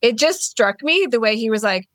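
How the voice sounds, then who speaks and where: A woman's voice: on the high side, lively intonation, moderate pace, a bit bright, no echo. Woman coach chatting as a guest, eager and thoughtful, dry close sound. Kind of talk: conversational interview reply.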